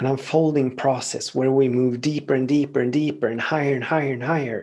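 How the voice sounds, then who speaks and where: A man with a Swedish accent speaks at a medium pitch. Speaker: spiritual podcast host. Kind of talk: spiritual teaching monologue. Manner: halting, with frequent self-corrections.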